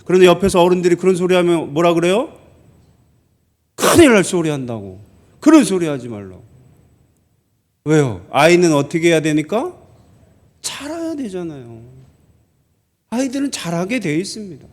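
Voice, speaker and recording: A man's voice: high voice, very animated, moderate pace, long pauses, darkish tone. A male pastor preaching a sermon in a church, conversational and full of questions to the congregation. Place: church sanctuary.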